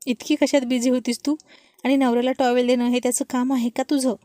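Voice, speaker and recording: A woman voicing a playful, hot-tempered young husband in a storybook reading, scolding and shouting. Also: high voice, level tone, fairly quick, no echo, studio quality, natural voice. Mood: sulking.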